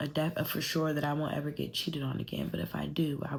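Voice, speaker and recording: A woman's voice with vocal fry. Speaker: vlogger. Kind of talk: storytime monologue. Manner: fast; casual, filler-heavy.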